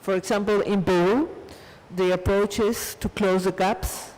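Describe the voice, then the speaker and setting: Slow high-pitched man, hesitant. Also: fairly even intonation, darkish tone, big-room sound, rough recording. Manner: hesitant, restarts phrases. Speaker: panelist. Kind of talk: conference panel answer.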